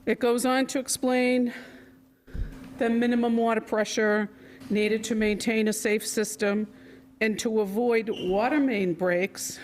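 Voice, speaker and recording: A woman with a loud voice giving a prepared public comment at a town council meeting, reading quotes from a report. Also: mid-range voice, a little hiss or hum. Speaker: resident speaking at public comment.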